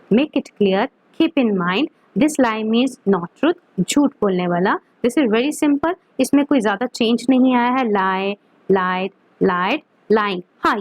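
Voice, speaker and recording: A woman's voice: on the high side, no room sound, poor audio. A woman teaching an English grammar lesson, switching between Hindi and English, repeating verb forms and asking her students whether they understood. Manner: slow, deliberate over English examples, quicker in Hindi.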